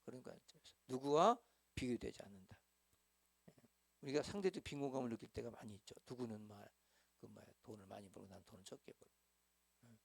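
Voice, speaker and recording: A man's voice: medium pitch, brisk, vocal fry, long pauses, husky. A middle-aged man, a senior pastor, teaching small-group leaders in a church hall. He is talkative, acts out quoted dialogue, and keeps asking his listeners to respond.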